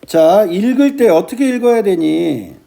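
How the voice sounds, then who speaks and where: Guy teaching a class, really high voice but slow talker, keeps asking "got it?". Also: animated, creaky, warm tone. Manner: keeps starting with "ja", asks students quick checking questions; recites verse slowly and drawn out. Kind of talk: classroom lecture on classical poetry.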